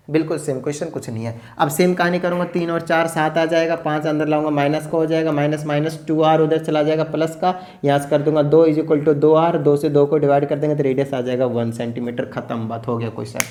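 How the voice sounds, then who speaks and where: A man teaches a maths lesson at speed, frequently asking students rhetorically whether they're following along. His voice is a little high and a little mellow.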